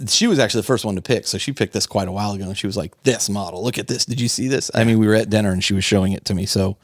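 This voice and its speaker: An enthusiastic man co-hosting a hobby podcast, his voice sitting a little low. He rambles, restarts, and laughs often. The sound is close and dry. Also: racing, no room sound. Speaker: podcast co-host. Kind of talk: casual hobby podcast chat.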